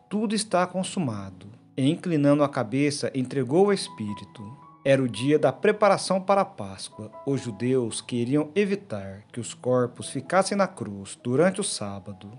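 A man reading the daily gospel and a short reflection in a solemn, measured liturgical manner. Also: mid-range voice. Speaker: gospel reader and preacher. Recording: soft instrumental music behind.

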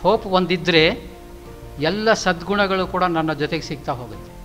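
A middle-aged male professor delivers an emphatic motivational lecture, driving points home with repetitive lists and mixing in English words and phrases. His high, fairly bright voice moves at normal speed, with faint music in the background.

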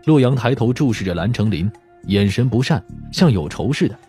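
A man's voice: on the low side, lively intonation, fairly quick, dark tone, faint music behind. A man narrating a novel in a scripted, dramatic audiobook style.

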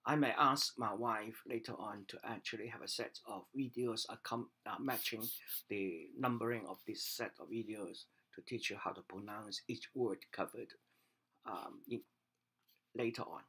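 An older man, a native Cantonese speaker, gives a measured video lesson in English from his home study, recorded on a desk webcam, with pauses and restarts. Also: fairly low pitch, steady tone, sharp tone, husky. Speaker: language teacher. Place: home study with bookshelves, indoors.

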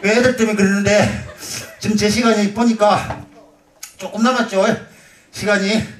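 On an open-air festival stage, a winded man playing a pumba street entertainer teases the audience in live comic banter. He speaks at a normal pace in a high voice with fairly even intonation, recorded far off in a roomy space with crowd noise.

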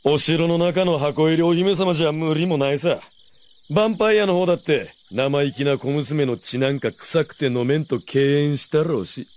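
An actor playing a blunt, sarcastic male warrior who taunts in rough speech in a Japanese radio drama. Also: a little high, normal speed, darkish tone, lightly acted. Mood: mocking.

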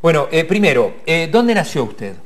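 A man's voice: on the high side, very animated, normal speed, a loud crowd. A man with an Argentine Spanish accent hosting a TV studio interview, asking polite, formal questions. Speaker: TV host. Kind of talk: casual interview.

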